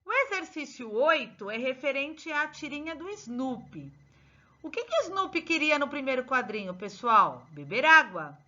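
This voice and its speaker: A woman teacher, slowly and emphatically going through exercise answers with her pupils. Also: high voice, expressive, pushed and bright. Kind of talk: exercise correction lesson. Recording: dull lo-fi recording.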